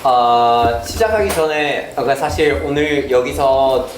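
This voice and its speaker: An American man from Vermont, a native English speaker, hosting a casual interview in an enthusiastic, halting way, with an American accent and some Québécois French. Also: medium pitch, a little hiss or hum. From United States, Vermont. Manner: enthusiastic, hesitant with restarts. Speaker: host.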